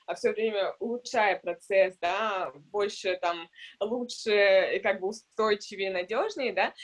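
A woman guest in an interview talks through her ideas slowly and reflectively. She pauses often and fills the gaps with soft fillers. Her voice sits at an ordinary middle pitch. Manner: thoughtful, many fillers and hedging pauses. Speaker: founder of a PR agency, guest. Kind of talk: casual interview answers.

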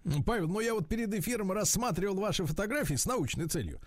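A man's voice: sits high, fast, dry recording, clean studio sound. A man hosting a radio morning show, chatty and playful as he interviews a guest. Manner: lively, chatty, playful asides. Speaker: radio host.

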